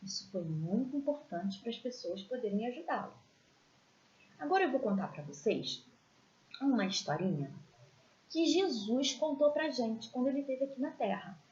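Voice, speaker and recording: A woman teaching a children's religious class, telling stories in a gentle, expressive way and pointing out pictures as she goes. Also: a little high, moderate pace. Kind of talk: storytelling lesson for children. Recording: echoey room, dull lo-fi sound.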